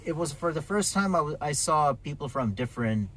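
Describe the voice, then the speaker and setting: A man's voice: a little high, animated, fairly quick, a bit bright, slight background noise, low-quality recording. A man in his forties from Pakistan, speaking conversationally as he explains things like a taxi driver being interviewed. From Pakistan, grew up in Karachi, later the UK. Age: 40s.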